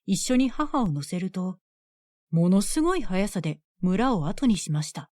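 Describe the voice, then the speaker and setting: A woman telling a scripted bedtime story in a gentle, even storytelling manner. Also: mid-range voice, normal speed, no room sound, studio quality.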